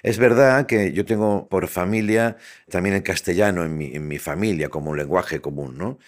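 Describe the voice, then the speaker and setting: A man's voice: low voice, normal speed. A man with a Catalan accent, a native Catalan speaker, telling stories as a guest in an interview and acting out the voices of the people he quotes. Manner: animated storyteller who acts out quoted voices. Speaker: interviewee, TV entertainer. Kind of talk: storytelling in an interview.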